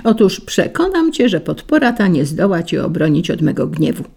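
A spiteful wind spirit from a storybook, a male troublemaker who taunts and brags, as a woman reader puts him on. The voice is low and gravelly with a husky grain. It jumps up in pitch when it gloats. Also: animated, a little slow, dark tone, heavily acted. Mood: boastful. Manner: sly and taunting, rising to bluster.

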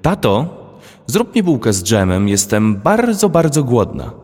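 A man reading a storybook, voicing a little girl who fibs and pleads in a high squeaky voice. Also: huge pitch swings, unhurried, darkish tone, husky, full character voice. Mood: whiny. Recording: long hall reverb.

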